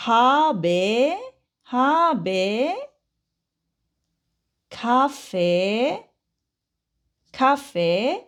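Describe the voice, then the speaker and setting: A woman with a slightly high voice teaching a grammar lesson. She explains step by step and keeps checking that the students have understood. Her first language is Bengali. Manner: patient, asks many checking questions. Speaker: German teacher. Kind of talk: classroom-style grammar lesson.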